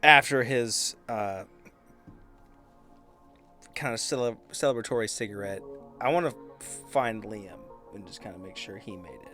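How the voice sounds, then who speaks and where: A man playing a tabletop role-playing game, casually and haltingly describing what his character does. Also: lowish voice, pushed and bright, faint music behind. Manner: loose, halting, peppered with "like" and "kinda".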